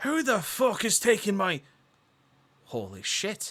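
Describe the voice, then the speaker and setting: This is a put-on character voice with a gruff edge. It moves at a fairly slow pace. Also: man, high pitch for a man. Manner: angry, confrontational.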